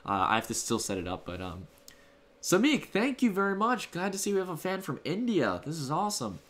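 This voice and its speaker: A man's voice: sits high, very animated, a little fast, fairly bright tone. A man hosting a livestream from home, casually thanking donors and answering chat in a loose, rambling way. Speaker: livestream host. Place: home room.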